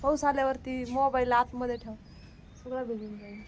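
A woman's voice: sits high, steady tone, normal speed, a little hiss or hum. A woman chatting casually while filming a vlog on her phone on a rooftop, exclaiming and teasingly scolding her son. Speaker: vlogger and mother. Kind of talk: casual outdoor vlog chat. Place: outdoors on a house rooftop in the rain. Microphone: phone held in her hand.

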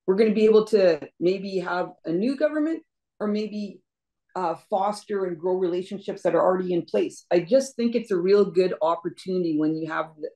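A woman's voice: lowish voice, a little mellow. Earnest woman candidate on a video call. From Canada. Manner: earnest, repeats words, speaks from the heart. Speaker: deputy mayor, election candidate. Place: home room indoors. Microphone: laptop webcam on video call.

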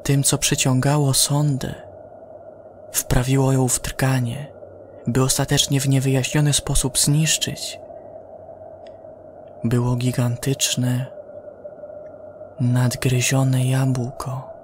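Guy narrating scary sci-fi story, really slow and measured, dramatic pauses, faint noise behind. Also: medium pitch, level tone. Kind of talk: scripted horror sci-fi narration.

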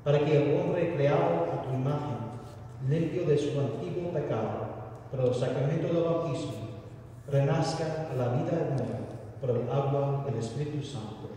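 A man, a priest, solemnly reciting liturgical prayers in a formal, measured way, his voice echoing as in a cathedral. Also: mid-range voice, mellow. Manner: formal, measured reading with occasional stumbles. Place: large church interior. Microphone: distant camera recording. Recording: cathedral-like echo, distant mic, noisy room.

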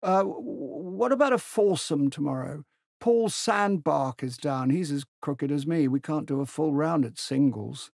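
Man reading as a hearty old general, bluff, stammers, higher voice, dry studio sound. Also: unhurried, vocal fry, a little mellow, no echo.

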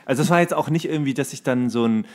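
A man with an average-pitched voice co-hosts a relaxed sports chat. He speaks colloquially, with slang, and acts out little moments as he tells them. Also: racing. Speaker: podcast co-host. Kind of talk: casual football chat.

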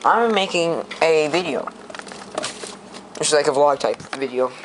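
A young person filming a casual vlog in a home kitchen, bossy and giggly, talking into a handheld camera. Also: female voice, low voice, expressive, measured pace. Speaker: vlogger filming friends. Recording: noisy handheld camera audio.

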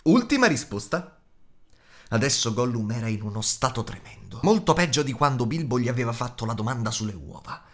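A man's voice: medium pitch, fast, hardly any pauses, a bit bright. A man narrating an audiobook in a dramatic, varied reading style. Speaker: audiobook reader.

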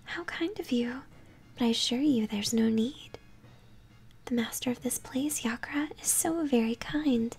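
A woman voicing a sweetly polite false queen in a game, a monster feigning hospitality in a breathy, genteel whisper. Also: on the high side, measured pace, darkish tone, heavily acted. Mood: sweetly welcoming.

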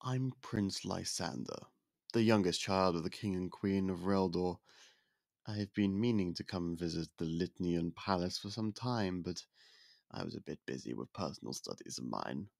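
An actor playing a young prince in an ASMR roleplay, speaking in polite, formal, soft-spoken courtship talk close to the mic. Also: male voice, low voice, animated, normal speed, vocal fry, no room sound. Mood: courteous.

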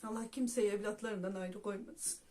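A woman's voice: medium pitch, fairly even intonation, normal speed, mellow. A woman vlogger telling viewers a heartfelt personal story with religious devotion, speaking directly to them as friends.

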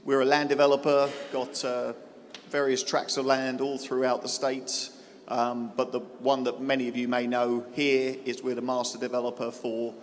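Male panelist, flat measured delivery, reverberant hall. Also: medium pitch, slight background noise. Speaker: land developer executive, panelist. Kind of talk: conference panel introduction.

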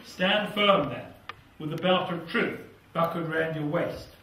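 In a small church hall, an older man with a British accent gives a fervent, earnest sermon and scripture reading, his fairly high voice moving a little slowly and hushing at the end of phrases. Slight background noise is present, and although he wears a lapel mic, he sounds somewhat far away amid the hall's echo.

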